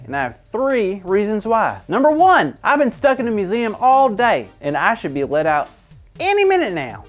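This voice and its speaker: Woman doing a squealy, hyper boy show host Carl. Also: fairly high pitch. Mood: excited. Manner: bouncy, over-the-top, squealing outbursts. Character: excitable goofy young male kids' show host. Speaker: children's church show host. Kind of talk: kids' church comedy skit.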